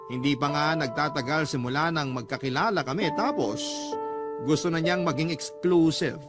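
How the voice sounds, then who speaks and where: Male radio storyteller, Filipino accent, higher-pitched voice, theatrical confessional letter reading, loud music bed. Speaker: radio love-story reader. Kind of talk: dramatic first-person letter reading.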